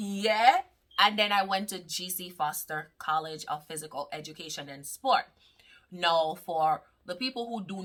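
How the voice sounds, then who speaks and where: A woman with a Jamaican accent speaks at a fairly low pitch. Her pitch variation is ordinary. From Jamaica, Montego Bay. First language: Jamaican Patois. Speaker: mental health therapist, vlogger. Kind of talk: casual vlog Q&A.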